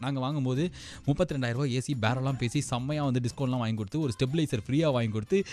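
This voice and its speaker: This is an unremarkable speaking voice. It belongs to a man with a medium pitch. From Chennai, India. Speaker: radio jockey. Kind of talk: radio show monologue.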